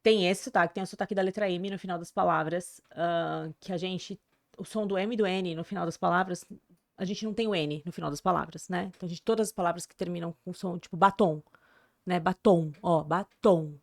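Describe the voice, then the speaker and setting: A woman's voice: fairly low pitch, steady tone, quick pace, creaky, no echo, clean studio sound. A Brazilian woman chatting casually as a podcast guest, explaining things emphatically with examples like a language teacher.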